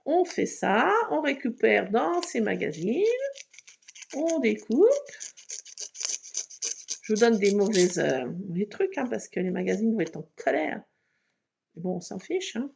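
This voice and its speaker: A woman's voice: mid-range voice, sing-song, measured pace, creaky, pauses often, a little mellow, breathy edge, dull audio. A woman chatting playfully and mocking herself while she shows a scrapbooking craft. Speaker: craft video maker. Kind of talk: casual crafting tutorial.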